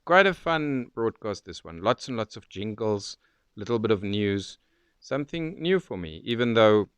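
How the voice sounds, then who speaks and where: A dry, close recording of a man with a fairly low, very clean and smooth voice. He chats casually in the manner of a hobbyist's commentary. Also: sing-song, moderate pace, a bit bright, no room sound. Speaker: shortwave radio hobbyist.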